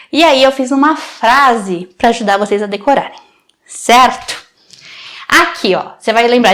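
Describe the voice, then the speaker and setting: Here a woman is speaking. Her pitch is high. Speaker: dentist teaching exam prep. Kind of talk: live online lesson. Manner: casual and explanatory.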